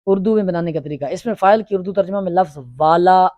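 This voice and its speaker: A male teacher giving a classroom grammar lesson, drilling his students with quick questions and repetitions. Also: sits high, no echo, narrow, tinny audio.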